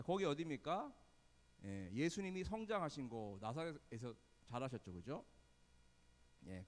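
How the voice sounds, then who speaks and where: A male pastor teaching a Bible study, quizzing his listeners with frequent questions and quick asides. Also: medium pitch, in a large hall. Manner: lively, quizzes the congregation with questions.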